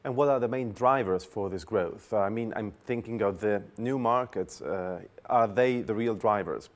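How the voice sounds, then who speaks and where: A man's voice: fairly low pitch, moderate pace. A man interviewing a business leader, asking plain, direct questions.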